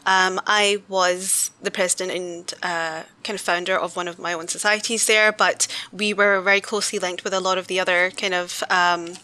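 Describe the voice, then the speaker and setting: A woman's voice: on the low side, level tone, moderate pace, few pauses, bright, forceful tone, clear, resonant tone. A young woman from Glasgow with a Scottish accent, a podcast guest talking in a friendly, chatty way. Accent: Glaswegian Scottish. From Scotland. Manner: friendly, talkative, laughs easily. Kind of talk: casual interview chat.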